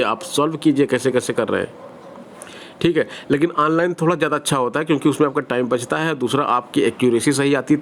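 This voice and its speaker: A man's voice: mid-range voice, slight background noise. A man with a Hindi accent giving exam-preparation advice to students in a direct, conversational teaching style with everyday examples. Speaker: online exam-prep teacher.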